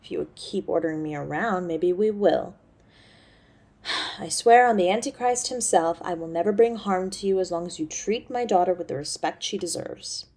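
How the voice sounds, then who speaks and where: A woman playing a haughty, cold succubus mother in an audio drama, speaking formally and with disdain in a husky, creaky voice. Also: on the low side, moderate pace, a little mellow. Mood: stern. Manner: imperious, formal, disdainful of mortals. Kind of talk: audio roleplay drama acting.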